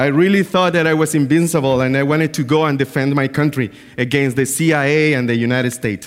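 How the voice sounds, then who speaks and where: A man with a Spanish accent talks very fast in a fairly high voice, with ordinary pitch variation and hardly any pauses. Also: very even loudness. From Nicaragua (Bluefields, Caribbean coast). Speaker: missionary. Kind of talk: sermon. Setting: church. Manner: halting.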